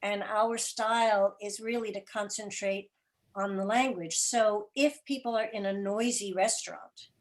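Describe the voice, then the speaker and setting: Woman, interview guest and producer. Middle-of-the-road pitch, explanatory talk, phrases picked out carefully as she thinks. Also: fairly even intonation, unhurried.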